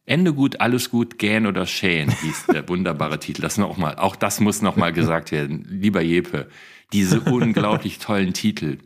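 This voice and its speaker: A man's voice: low-pitched, moderate pace. A man hosting a podcast, leading it in a cheerful, playful way and quizzing his co-hosts. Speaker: podcast host. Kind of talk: casual podcast chat.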